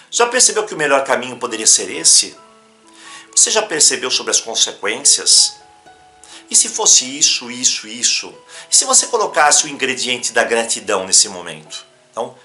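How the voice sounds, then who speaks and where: Animated Brazilian man teaching over music. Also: mid-range voice, moderate pace. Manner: animated, emphatic, breaks into demonstrations. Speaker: self-help teacher. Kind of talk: instructional talk to camera.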